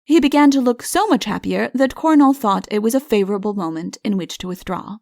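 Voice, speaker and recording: A woman's voice: mid-range voice, fairly quick, vocal fry, a little mellow, no echo, clean studio sound. A woman reading a comic fairy tale as an audiobook narrator, in scripted storytelling style.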